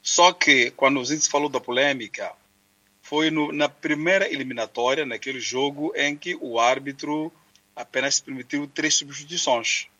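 A man, a sports commentator explaining calmly with hesitations. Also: medium pitch, normal speed. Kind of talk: radio sports debate.

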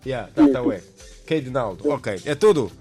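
A man's voice: medium pitch, expressive, measured pace, dark tone, faint music behind. A man hosting a call-in radio show. He is friendly and chatty and repeats what his callers say. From Mozambique. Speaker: radio host taking calls.

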